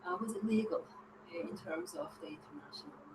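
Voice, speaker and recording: A woman's voice: lowish voice, brisk. Hesitant woman, distant and roomy. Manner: hesitant, many ums and uhs. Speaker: panel speaker on refugee policy. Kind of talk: panel discussion. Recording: roomy, distant, noisy recording.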